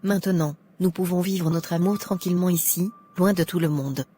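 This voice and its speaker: A woman's voice: fairly low pitch, steady tone, moderate pace, dark tone, slight background noise, close to an everyday voice. A woman voicing a pushy, coaxing young girlfriend in a Christian cartoon. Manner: insistent, coaxing. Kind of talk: French-language Christian cartoon acting.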